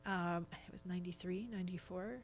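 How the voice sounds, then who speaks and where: A woman's voice: fairly low pitch, steady tone, a little fast, a little hiss or hum. An American woman in her fifties talking casually as a podcast guest, explaining things with examples. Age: 50s.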